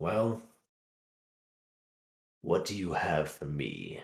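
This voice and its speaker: Here a man performs a put-on character voice pitched fairly low. Audible echo surrounds it. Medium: actual play. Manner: measured, knowing, faintly condescending.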